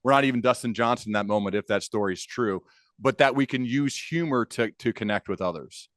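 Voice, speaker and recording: A man's voice: mid-range voice, a little fast, a bit bright, dry recording, studio quality. A man hosting an interview podcast in an informal, emphatic storytelling manner, repeating phrases as he talks. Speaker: podcast host. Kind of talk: conversational interview.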